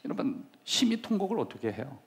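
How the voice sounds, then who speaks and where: Middle-aged male pastor, church sermon, animated delivery with sudden whispers, mid-range voice. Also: medium pitch, quick pace, gravelly. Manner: animated preaching, acts out scenes, shifts to soft whispers. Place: church sanctuary.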